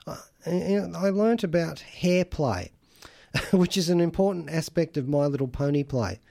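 A man's voice: a little high, moderate pace, vocal fry, warm tone. Jokey Australian man hosting radio. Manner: jokey, enthusiastic, laughs often. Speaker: radio host. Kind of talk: casual radio chat. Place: radio studio.

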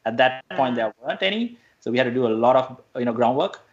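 A man's voice: mid-range voice, animated, fast talker, muffled recording. Hesitant man from Sri Lanka. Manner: hesitant, many fillers and restarts. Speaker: guest. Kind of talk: radio interview.

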